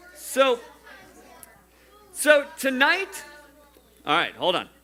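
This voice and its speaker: A man uses a raised, projected voice with a bright, sharp tone. He speaks at a very slow pace. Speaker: youth pastor. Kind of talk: sermon. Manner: loud.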